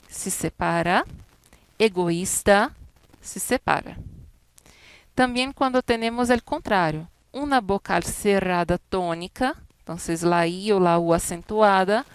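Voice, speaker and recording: A woman gives a recorded Spanish lesson, working patiently through example words one by one. Her voice is smooth and clear, and the recording is dry and close, with no room sound around it. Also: mid-range voice, dry recording. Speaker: Spanish teacher. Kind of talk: recorded class explanation.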